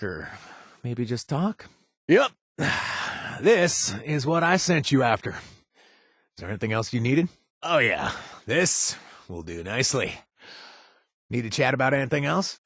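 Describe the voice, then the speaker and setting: An actor playing a remorseful former gang member and recovering addict who now runs a bar, talking casually with wry asides and trailing hesitations, recorded in a dry booth. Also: male voice, a little high, a bit bright, no echo, full character voice. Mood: easygoing. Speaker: companion character. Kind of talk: video game voice acting.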